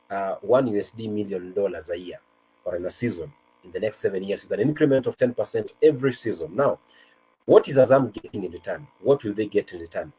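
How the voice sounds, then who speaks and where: A man's voice: fairly low pitch, warm tone, slightly rough, rough recording. A man with a Kenyan accent hosting a football talk show in a conversational style, switching between two languages. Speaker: sports show host. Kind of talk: conversational football talk show presenting, mixing Swahili and English.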